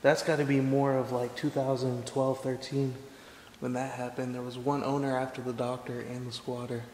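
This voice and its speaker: A man's voice: medium pitch, flat delivery, normal speed, a little mellow. A young man exploring an abandoned house, talking to his camera, awed and jumpy, sometimes calling out and sometimes whispering, recorded on a handheld camera mic. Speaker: urban explorer. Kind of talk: exploration vlog narration. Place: large empty abandoned house, indoors. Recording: echoey empty rooms with faint hiss.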